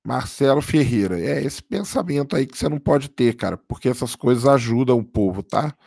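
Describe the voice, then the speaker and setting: A man, hoarse from a cold, casually commenting on a live stream and answering viewer chat, often checking in with "tá?". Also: mid-range voice, lively intonation, a little fast, darkish tone, dry recording, studio quality. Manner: casual, keeps adding "tá?" for confirmation. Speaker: livestream host.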